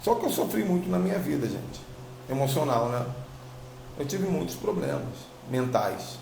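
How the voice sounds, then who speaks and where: Brazilian male preacher, slight tongue-tie, creaky voice, emphatic repetitive storytelling, personal testimony, roomy echo. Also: a little high, big pitch swings, normal speed, darkish tone. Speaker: apostle, religious teacher. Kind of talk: personal spiritual testimony to online followers. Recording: roomy echo, faint background noise.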